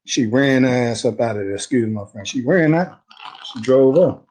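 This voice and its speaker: A man in an interview, retelling a court visit in a rambling, animated way, quoting what people said. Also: medium pitch, normal speed, slight background noise, rough recording. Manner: rambling, animated retelling with slang and quoted dialogue. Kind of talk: casual storytelling.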